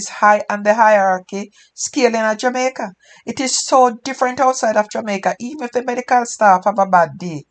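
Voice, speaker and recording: A woman speaks at a moderate pace in an unremarkable speaking voice, her fairly high pitch showing ordinary pitch variation. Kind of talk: news commentary read.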